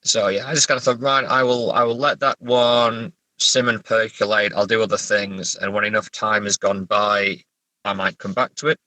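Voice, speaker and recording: A man's voice: on the low side, steady tone, normal speed, bright, forceful tone, no echo, rough recording. A middle-aged man with an English accent, an author being interviewed, talking casually in a hesitant, thoughtful, understated way. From England.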